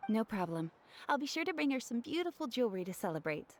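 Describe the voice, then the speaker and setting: A woman's voice: a little high, sing-song, fast, a little mellow, slight background noise. A woman voicing a friendly, chatty young female jeweler in a video game, slightly flustered. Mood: welcoming.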